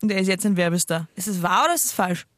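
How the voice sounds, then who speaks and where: A woman, co-hosting a casual chat and telling an animated, teasing story. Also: mid-range voice, rapid-fire, no room sound, studio quality.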